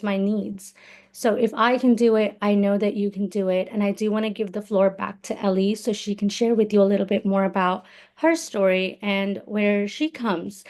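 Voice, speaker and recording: A woman's voice: medium pitch, darkish tone. A woman sharing her personal story as a guest on a live webinar, heartfelt and emphatic.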